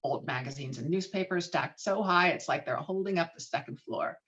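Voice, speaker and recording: A woman's voice: sits low, moderate pace, fairly bright tone. A woman reading screenplay stage directions dramatically as narrator of a table read, over a video call. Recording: dull lo-fi video call sound.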